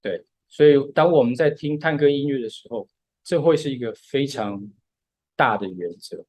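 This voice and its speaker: A man's voice: mid-range voice, moderate pace, a little mellow, dry recording. A man, patiently explaining music step by step in a casual podcast chat.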